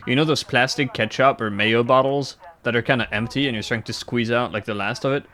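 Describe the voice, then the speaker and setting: A man's voice: mid-range voice, steady tone, brisk, sharp tone. Crude joking male streamer. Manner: crude joking, laughs often. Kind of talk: casual gaming chat.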